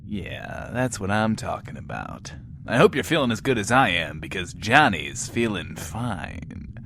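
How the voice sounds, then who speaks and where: An actor playing a smooth-talking, self-satisfied radio DJ in an audio drama, delivering cocky, drawling patter. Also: male voice, on the low side, very animated, unhurried, fairly bright tone, faint music behind, heavily acted. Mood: smug, upbeat. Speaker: radio host.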